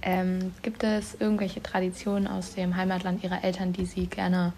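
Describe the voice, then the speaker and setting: A woman's voice: on the low side, completely flat delivery, normal speed, warm tone, slight background noise. A woman student interviewing a guest for a school project, reading her questions evenly.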